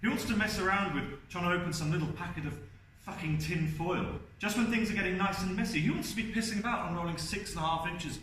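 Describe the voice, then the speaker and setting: A young man performing a theatrical monologue as an ageing gay man confessing helpless desire, confiding and wry, with halting repetitions. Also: sits high, fairly bright tone. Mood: bawdy, defiant. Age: young adult. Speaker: drama student performing a monologue. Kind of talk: theatrical first-person stage monologue. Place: indoor university event space, on stage. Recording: distant, very echoey hall, faint noise.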